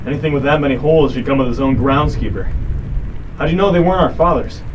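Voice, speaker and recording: A man's voice: mid-range voice, fast talker, recorded from a distance, noisy background, close to an everyday voice. A man playing a hot-headed, tough and sardonic young vigilante in an audio drama, brash and wisecracking.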